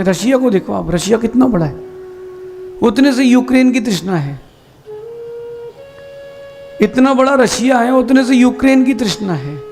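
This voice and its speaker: A man, a Jain monk, giving a sermon with slow emphatic explanations and rhetorical questions. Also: high-pitched, a little mellow.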